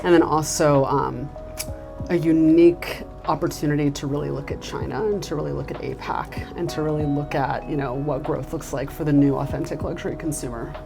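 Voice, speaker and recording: Woman, low voice, marketing executive, enthusiastic, casual fillers, interview guest. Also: steady tone, fairly quick, creaky, over music. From United States. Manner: enthusiastic, fillers like "you know" and "like".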